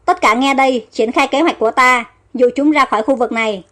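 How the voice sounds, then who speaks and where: Woman voicing a dutiful army captain in an audio story, urgent, high voice. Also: a little fast, bright, forceful tone. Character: loyal worried male army captain.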